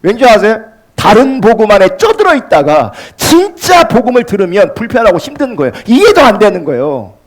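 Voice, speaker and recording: Man, pastor, sermon, impassioned, high-pitched, hugely varied intonation. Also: sing-song, fairly quick. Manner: impassioned preaching, swinging from loud peaks to hushed lines.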